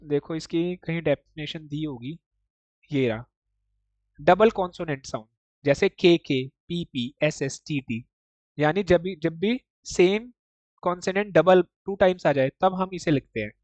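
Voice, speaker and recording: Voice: mid-range voice, a little slow, darkish tone, no echo. A teacher in an online class explaining Japanese writing step by step, mixing English words into the talk and often checking that the listener follows.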